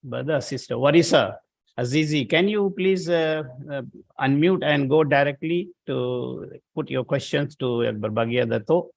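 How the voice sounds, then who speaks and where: A man with a Malaysian accent moderating a question session in a polite, halting way. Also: mid-range voice, creaky.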